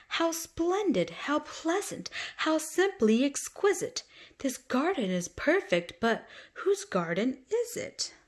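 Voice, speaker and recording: A woman's voice: high-pitched, very animated, slow pace, voice pushed up, exaggerated voice. A woman voicing a cheerful lady who gushes with delight over a beautiful garden. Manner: delighted, gushing. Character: cheerful admiring lady out walking.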